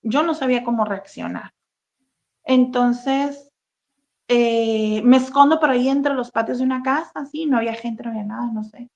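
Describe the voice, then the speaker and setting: A woman telling her own painful story as an interview guest, halting and full of fillers and restarts. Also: a little high, vocal fry, a little mellow. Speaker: interview guest sharing a personal testimony. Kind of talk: emotional personal testimony, casual talk. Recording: dull, lo-fi sound.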